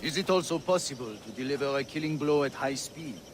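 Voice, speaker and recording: An actor playing a haughty French nobleman with a French accent, lively and mocking, in a video game. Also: mid-range voice, brisk, slight background noise, close to an everyday voice. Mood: admiring.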